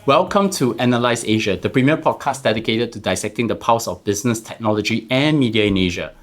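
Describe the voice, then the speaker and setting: A man's voice: fairly low pitch, fast talker, faint music behind. A man hosting a business podcast, giving formal introductions and asking earnest questions. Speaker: podcast host.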